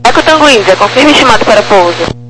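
A Brazilian-accented air traffic controller speaks in clipped, procedural phrases over a crackly, military-style radio. The pitch is mid-range, and a clear hum and static run under the voice. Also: expressive, fast talker. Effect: crackly aviation radio.

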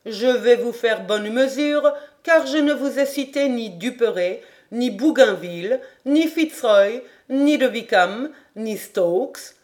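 A woman voicing an excitable, boastful male geographer who fires off names and protests loudly, in an audiobook reading. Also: on the high side, pitched above the performer's own voice. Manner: rapid-fire, indignant exclamations.

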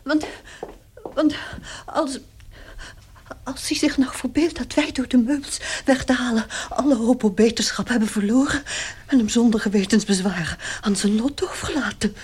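A woman's voice: fairly high pitch, normal speed, a little mellow, slightly rough. An actress in a radio drama playing an anxious middle-aged mother who pleads tremulously, stammering and repeating herself. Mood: hesitant, fretful. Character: anxious, pleading mother pining for her son. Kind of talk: Dutch radio drama acting. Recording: noisy old radio play recording.

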